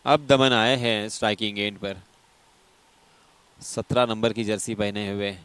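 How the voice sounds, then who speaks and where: A man's voice: fairly low pitch, steady tone, a little slow, fairly bright tone, clean tone. A man with an Indian accent gives live ball-by-ball cricket commentary, explaining play and repeating key phrases for emphasis.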